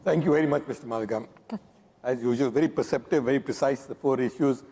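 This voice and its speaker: A hoarse man, courteously moderating a panel. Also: mid-range voice, fast talker, dark tone. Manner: courteous, introducing speakers. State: hoarse, losing his voice. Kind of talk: panel discussion. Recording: long hall reverb.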